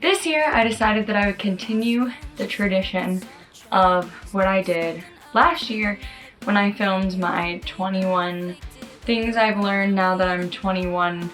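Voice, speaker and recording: A woman's voice: mid-range voice, takes it slowly, fairly bright tone, soft background music. A woman in her early twenties chatting casually to her viewers as a vlogger, informal and peppered with filler words like "like" and "you know". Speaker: YouTube vlogger. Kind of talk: casual chatty talk to camera.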